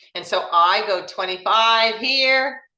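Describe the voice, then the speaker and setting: Her tone comes across bright and sharp. The speaker is a woman. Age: 60s. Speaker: skincare consultant. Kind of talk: product demonstration.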